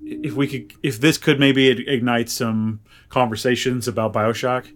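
A man's voice: mid-range voice, flat delivery, moderate pace. A man co-hosting a podcast in casual chat, talking in a rambling, opinionated, conversational way. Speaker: podcast co-host.

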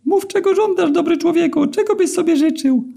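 A man voicing a squeaky, fawning magical male white eel that grants wishes, in a read-aloud story. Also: a little fast, creaky, warm tone. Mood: obliging. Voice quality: squeaky, thin little voice. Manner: fawning, obliging. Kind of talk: storytelling character voice.

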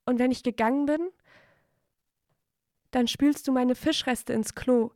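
High-voiced, bitterly reproachful woman, acted out by an actress. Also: a little slow, warm tone, no echo, studio quality. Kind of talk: experimental radio play acting.

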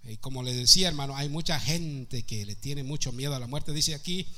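A man's voice: medium pitch, fairly quick, bright, forceful tone. A man preaching a sermon, calling out to the congregation with repeated questions and rising to emphatic peaks.

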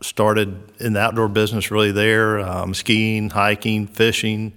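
Southern guy, middle aged, lowish voice, talks slow with lots of uh's, reverby sound. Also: little pitch movement, fairly bright tone, smooth. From South Georgia, US. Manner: unhurried, lots of "uh" and "um" fillers. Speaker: resort recreation director. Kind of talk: relaxed interview answers.

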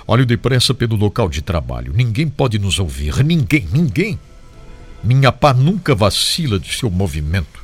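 Man reading a memoir with lively pitch. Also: breathy edge, soft background music. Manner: dramatic, varied, slows for solemn moments. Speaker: devotional reader. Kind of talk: expressive reading of a first-person memoir.

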